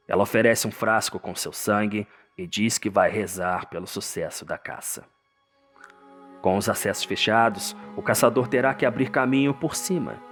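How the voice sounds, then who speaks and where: Male Brazilian narrator, lowish voice, theatrical suspense for a dark fantasy audio drama, music underneath. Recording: music behind the voice.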